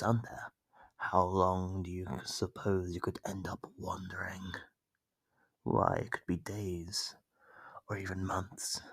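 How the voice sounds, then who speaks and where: A man playing a sadistic monster in an ASMR horror roleplay, taunting captive prey with mock politeness in a gravelly, husky, whispery-edged voice, close to the microphone. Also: low voice, no echo, exaggerated voice. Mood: menacing, gloating. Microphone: close, dry microphone.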